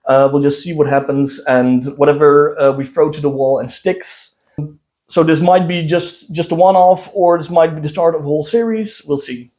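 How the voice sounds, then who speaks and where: A man from the southern Netherlands whose first language is Dutch, co-hosting a casual podcast chat in a room indoors, talking haltingly with many fillers and restarts. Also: a little high, steady tone, a little mellow. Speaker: podcast co-host.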